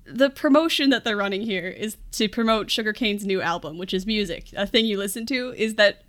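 A woman's voice: medium pitch, fairly quick, fairly bright tone. A woman hosting a podcast in casual, comic film discussion, playful and mock-serious, often laughing as she talks. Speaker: podcast host.

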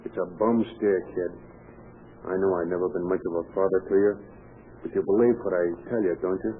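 A rueful, streetwise crook and father played by a man in a 1930s radio drama. He speaks low, earnest and emphatic slang. The old recording is tinny with faint noise. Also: steady tone, a little fast, close to an everyday voice.

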